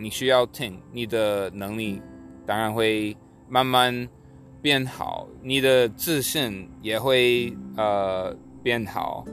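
A man who speaks Mandarin as a second language explains things casually, phrase by phrase, with pauses. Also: lowish voice, fairly bright tone. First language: not Mandarin, a learner of it. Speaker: co-host, Chinese learner.

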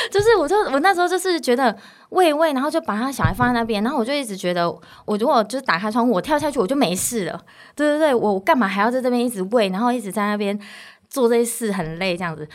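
A woman in her thirties with a Taiwanese Mandarin accent, a mother of three, talking candidly in a casual interview and laughing between phrases. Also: medium pitch. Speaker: podcast guest, mother of three.

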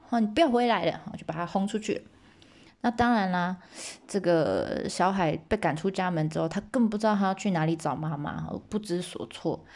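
A woman's voice: fairly low pitch, darkish tone. Chatty woman storyteller. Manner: chatty, playful, asides to listeners. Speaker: storyteller host. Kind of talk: casual myth retelling.

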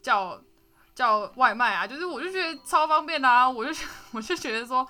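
A woman's voice: high voice, expressive, a little fast, sharp tone. A young woman with a Taiwanese Mandarin accent hosting a casual interview, chatty and giggly with hesitant restarts. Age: young adult. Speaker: podcast host.

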